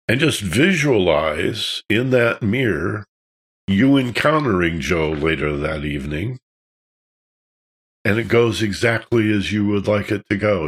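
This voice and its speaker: A man with a husky voice giving an informal, conversational lecture as a teacher of meditation and visualization. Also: lowish voice. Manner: conversational, illustrates points with acted-out quotes and examples. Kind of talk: informal spoken lecture to a class.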